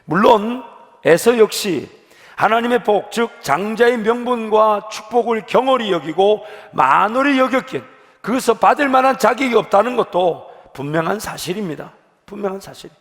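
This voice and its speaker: A man pastor preaching an earnest sermon in a church sanctuary, slowing down to stress key words. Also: high-pitched, expressive. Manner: earnest preaching, rising with emphasis. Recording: long hall reverb.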